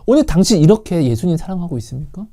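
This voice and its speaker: A woman's voice: on the low side, big pitch swings, quick pace, warm tone. A woman preaching with emotion, retelling a Bible story and exclaiming as she acts out the quoted speech. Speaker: preacher sharing testimony. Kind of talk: impassioned sermon storytelling.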